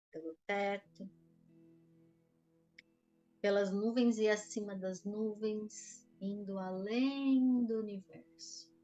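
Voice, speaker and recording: A Brazilian woman leads a guided meditation at a slow pace, leaving long pauses between instructions. Her voice sits at a middle pitch for a woman, with music playing behind it.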